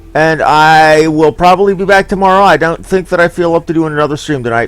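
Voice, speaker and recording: A fairly high-pitched man at a fairly quick pace, music in the background. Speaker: gamer streamer. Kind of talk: let's play commentary.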